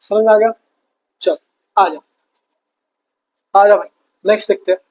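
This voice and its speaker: A man's voice: high-pitched, fairly even intonation, measured pace, a little mellow, low-quality recording. A young man teaching an exam-prep science lesson, chatty, calling students brother and repeating key terms.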